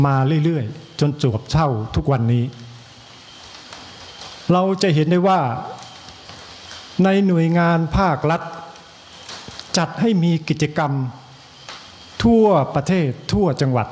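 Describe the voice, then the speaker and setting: A monk with an Isan accent giving an evening sermon, slow and measured, with pauses and repetition and a joke now and then for the listeners. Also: male voice, a little high, animated, a little mellow, slight background noise. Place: temple hall.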